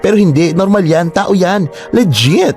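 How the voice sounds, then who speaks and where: A man's voice: high-pitched, lively intonation, moderate pace, darkish tone, faint music behind. A man playing a flamboyant, scheming young gay man who is boastful and playful, with a campy, teasing, theatrical delivery. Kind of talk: radio drama acting.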